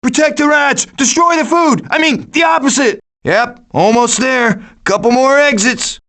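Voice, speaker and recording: A man voicing a glib, sarcastic, scheming raccoon who leads a gang of food thieves in an animated video game. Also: very high-pitched, a little slow. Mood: alarmed, shouting. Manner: glib, sarcastic, cocky quipping.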